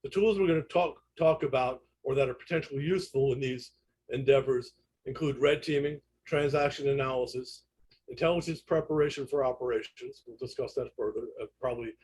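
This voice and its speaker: Male presenter, Brooklyn accent, slightly rough husky voice, online lecture, explanatory, halting phrasing. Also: mid-range voice, darkish tone, rough recording. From United States, New York. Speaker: presenter, instructor in intelligence analysis. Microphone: internet call audio.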